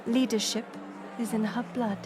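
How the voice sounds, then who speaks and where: A woman playing a gracious, resolute middle-aged queen in an audio roleplay, speaking in formal, stately, measured phrases. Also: a little high, flat delivery, crowd noise, background noise, lightly acted. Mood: earnest reassurance. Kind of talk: scripted audio roleplay acting.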